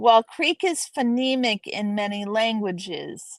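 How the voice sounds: A woman does a put-on character voice that is creaky and fairly high in pitch. She goes at a moderate pace, and the sound is dry and close with no echo.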